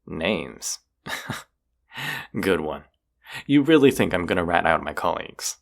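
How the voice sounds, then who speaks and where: Young male vampire hunter, played by a male actor, audio roleplay: very low, gravelly voice, cocky and slangy, sarcastic with a self-mocking edge. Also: very animated, slow, heavily acted. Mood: teasing, defiant. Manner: teasing, sarcastic, casual slangy delivery.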